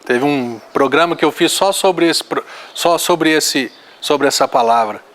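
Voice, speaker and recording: High-voiced man preaching. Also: unhurried, a bit bright. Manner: earnest, exhorting, reads scripture aloud. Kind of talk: sermon.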